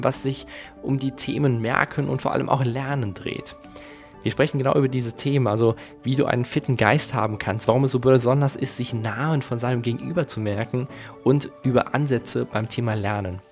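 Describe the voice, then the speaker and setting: A man's voice: mid-range voice, brisk, vocal fry, faint music behind. Upbeat male podcast host. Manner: enthusiastic, upbeat. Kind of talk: podcast interview.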